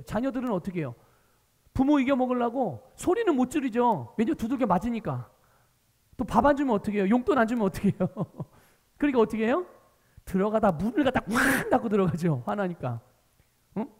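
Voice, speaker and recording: A male pastor preaching a Sunday sermon, animated, asking the congregation rhetorical questions. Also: sits high, in a large hall. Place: church sanctuary.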